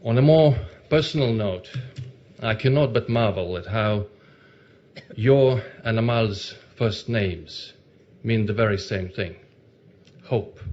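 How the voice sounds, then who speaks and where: A man delivering a formal prepared address at a ceremony, earnest and deliberate, as if reading from a text. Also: on the low side, darkish tone. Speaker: speaker at a ceremony. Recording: muffled lo-fi recording.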